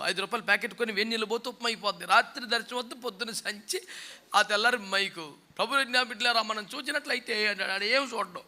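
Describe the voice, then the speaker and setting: Man, pastor, fiery sermon, high voice, sharp bright tone, scolding. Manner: scolding, mocking, acts out quoted people.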